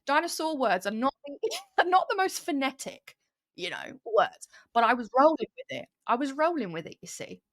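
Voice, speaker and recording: A woman, an early years teacher talking casually on a podcast, telling animated stories full of fillers. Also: high voice, moderate pace. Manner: animated storytelling with many fillers. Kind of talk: casual chat.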